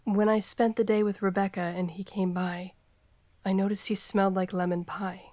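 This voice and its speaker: A woman's voice: mid-range voice, flat delivery, moderate pace, a little mellow, no room sound, lightly acted. A woman playing a grieving, defensive female werewolf in a fan audio drama, speaking in a hesitant, guarded way. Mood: wary.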